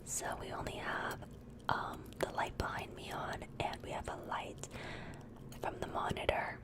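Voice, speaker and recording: A woman hosting casual ASMR, whispering gently to her listeners. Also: measured pace. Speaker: ASMR streamer and host. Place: dimly lit room indoors.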